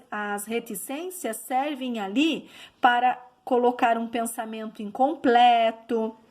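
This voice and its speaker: Slow, patient woman teacher. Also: fairly high pitch, darkish tone. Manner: slow, patient explaining to a class with frequent "tá?" check-ins. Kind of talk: video lesson.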